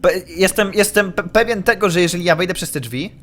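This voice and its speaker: A young man commenting on a horror game he is playing, excitable, yelping when startled and muttering while he sneaks. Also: high voice, brisk, a little hiss or hum. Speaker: gaming YouTuber.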